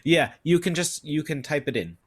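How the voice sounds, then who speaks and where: A man's voice: fairly high pitch, animated, moderate pace, a crowd in the background, natural voice. A man playing a mild, plain-spoken human computer guy in a comedy table read. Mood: mild, helpful. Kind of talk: video-call table read of a comedy film script. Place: remote video-call reading.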